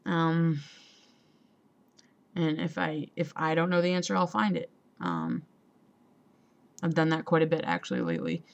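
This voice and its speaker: A young trans man talking casually to a camera, hesitant, with many ums and pauses, and a voice that still sounds female. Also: a little high, animated, gravelly. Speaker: vlogger. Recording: dull lo-fi home recording.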